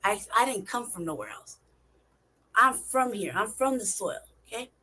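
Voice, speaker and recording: A woman from California vlogs at a moderate pace in a medium-pitched voice that sounds pushed and bright, with lively intonation. She curses often, drives her points home and asks rhetorical questions, over slight background noise.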